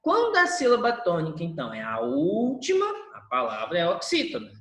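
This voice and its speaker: A woman teacher gives a recorded review lesson. Her voice rises and falls a great deal, and she holds stressed syllables long to show how the words are stressed. The recording has a clear echo from the room. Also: lowish voice, wildly swooping pitch, a little fast. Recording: echoey room.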